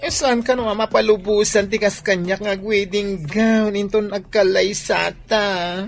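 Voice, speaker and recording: A woman's voice: mid-range voice, steady tone, unhurried, gravelly, soft background music. A woman playing a dramatic, effeminate gay man who pleads and whines in a theatrical radio drama style. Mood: pleading, insistent.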